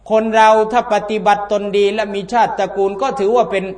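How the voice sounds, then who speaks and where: High-voiced man preaching folksy sermon. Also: steady tone, brisk, a little mellow. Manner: folksy, asks rhetorical questions; chants scripture passages. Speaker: Islamic religious teacher. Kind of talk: conversational sermon to a congregation.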